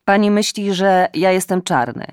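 A woman's voice: mid-range voice, lively intonation, normal speed, clear, resonant tone, dry recording, studio quality, close to an everyday voice. A woman voicing a male house cat, courtly and servile toward his owner, speaking with ceremonious, fawning politeness. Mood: devoted.

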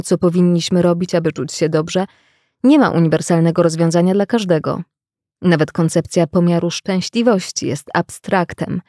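A woman giving a measured, reflective reading of scripted self-help narration. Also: fairly low pitch, warm tone, dry recording, studio quality.

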